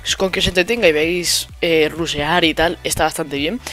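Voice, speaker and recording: Young Spanish gamer mocking hater comments. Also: male voice, fairly high pitch, steady tone, moderate pace, sharp tone, soft background music. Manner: mocking, repeats insults with sarcasm. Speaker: gaming youtuber. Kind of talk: casual commentary over gameplay.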